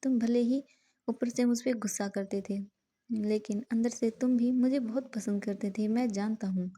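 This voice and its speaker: A woman voicing a gentle, apologetic young man in a storybook reading, speaking softly and pleadingly. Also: fairly high pitch, fairly even intonation, moderate pace, slightly rough.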